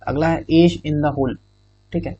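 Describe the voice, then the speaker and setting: A man's voice: a little high, fairly even intonation, slow pace, dark tone, breathy edge, dry recording. A male exam-prep teacher explaining idioms in Hindi with English phrases, often checking in with "theek hai". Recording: dull, muffled recording.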